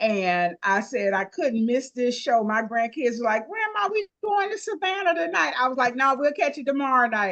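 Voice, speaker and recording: Her high voice leaps through very wide pitch swings as the woman talks. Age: 60s. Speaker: regular live-show participant. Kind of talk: casual chat.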